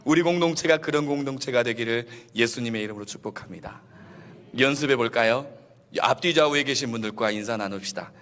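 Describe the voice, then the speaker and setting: A male pastor preaching a Sunday sermon in an animated way, acting out the quotes he tells. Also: mid-range voice, a little fast. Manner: animated, acts out quotes with shifting voices. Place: church sanctuary. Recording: long church reverb.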